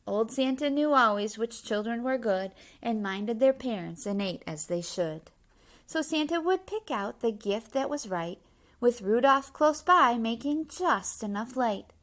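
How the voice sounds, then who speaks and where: A woman with a fairly high voice reads a children's book aloud at a slow, careful pace. Her delivery is expressive and emphatic, leaning into the rhymes as a storyteller would for young listeners. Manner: animated, emphatic rhyming delivery. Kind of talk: expressive children's read-aloud with explanatory asides.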